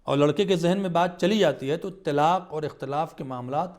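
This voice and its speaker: A man speaks as a guest on a studio talk show, earnest and emphatic as he explains his point. His voice sits a little higher than most men's. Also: a little mellow. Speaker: religious scholar guest.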